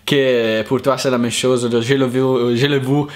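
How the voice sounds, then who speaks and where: A man's voice: mid-range voice, little pitch movement, measured pace. Italian man speaking hesitant learner's French. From Italy. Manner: hesitant, many fillers and restarts. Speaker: language learner vlogger. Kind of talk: casual thank-you monologue.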